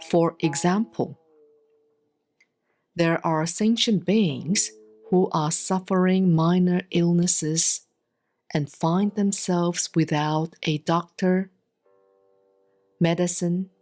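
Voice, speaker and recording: A woman giving a solemn, scripted reading of scripture in measured, deliberate phrases with frequent pauses. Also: lowish voice, a little mellow, soft background music. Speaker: sutra reader, Buddhist nun.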